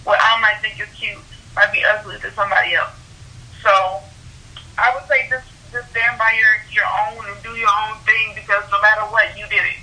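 A young woman from Houston, a henna artist telling stories in a casual interview, animated and laughing often. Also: medium pitch, low-quality recording. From Houston, Texas. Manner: animated storytelling, quick laughs.

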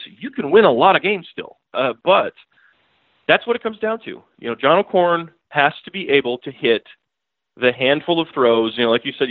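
A man's voice: medium pitch, no room sound. A man, a newspaper beat writer, talking as a podcast guest in a blunt, emphatic way that keeps hammering the same point. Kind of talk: casual podcast interview. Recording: tinny phone line.

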